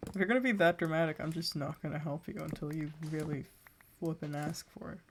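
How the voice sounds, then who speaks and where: A woman's voice: low-pitched, brisk, noisy background. A teenage woman streaming a game and telling a rambling story in casual chat, full of filler likes. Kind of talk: casual chat while gaming.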